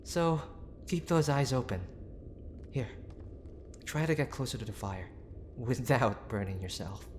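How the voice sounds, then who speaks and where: Audio roleplay boyfriend, male actor: young, mid-pitched, unhurried, gruff yet tender, anxious and pleading, faint storm noise behind. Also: lively intonation, a little mellow, natural voice. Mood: reassuring, anxious. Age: young adult. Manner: halting, pleading, with sighs and breathy asides. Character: gruff, tender young boyfriend, a medical student, desperately worried. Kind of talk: intimate dramatic boyfriend roleplay.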